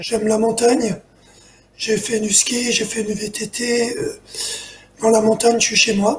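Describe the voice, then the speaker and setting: A man speaks at a fairly slow pace in a high, flat monotone, with long, frequent pauses over noticeable background noise. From France, Grenoble. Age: 70s. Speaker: pilgrim hiker and author. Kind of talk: interview. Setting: at home, remote call.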